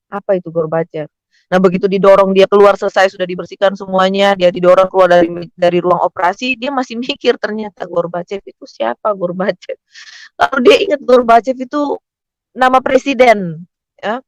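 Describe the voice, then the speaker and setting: A man's voice: high voice, clean tone, no room sound, low-quality recording. A male pastor telling a family testimony in a conversational storytelling sermon, acting out the quotes of the people in the story.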